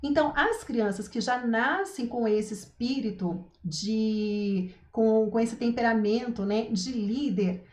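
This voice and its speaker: A woman with a Brazilian Portuguese accent giving a live-stream talk on parenting, animated, acting out what parents say and checking in with her listeners. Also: a little high, takes it slowly, few pauses, echoey room. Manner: animated, acts out parents' lines, frequent "tá?" check-ins. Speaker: parenting coach.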